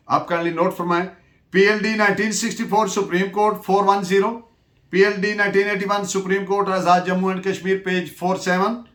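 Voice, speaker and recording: A man with a Pakistani accent giving a lecture, deliberate and emphatic as he dictates references and switches between two languages. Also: high-pitched, fairly bright tone. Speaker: law lecturer. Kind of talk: lecture dictating case citations and explaining legal principles. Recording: echoey room.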